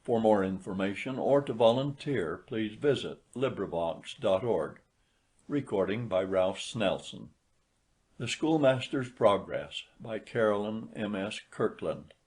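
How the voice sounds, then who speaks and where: Male audiobook reader, lower register, scripted literary narration. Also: expressive, a little slow, darkish tone.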